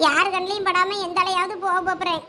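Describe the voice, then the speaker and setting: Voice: very high voice, level tone, brisk, bright, forceful tone, a little hiss or hum. A performer voicing a sulky young girl who feels unloved, complaining tearfully and pitying herself in a comedy skit. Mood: sulking.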